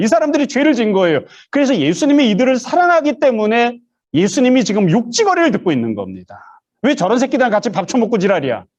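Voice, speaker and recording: Through lo-fi sound, a man with a high, slightly mellow voice preaches as a pastor. His sermon is built on storytelling, and he performs the voices of the characters he quotes.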